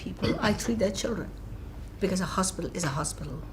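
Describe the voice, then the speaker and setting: Against noticeable background noise and audible room echo, a woman talks with ordinary pitch variation. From Somaliland. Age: 80s+. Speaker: nurse-midwife and hospital founder. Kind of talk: speech to an audience. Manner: halting, with many repetitions.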